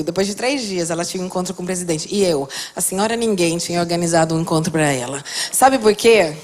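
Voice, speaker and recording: A middle-aged woman pastor preaching a passionate sermon, swinging from hushed to loud exhortation. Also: high voice.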